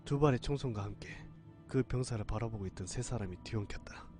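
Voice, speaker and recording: A man's voice: mid-range voice, quick pace, mellow, soft background music. A man reading a first-person horror story aloud for a radio show, with a dramatic, tense delivery. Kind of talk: scripted horror narration.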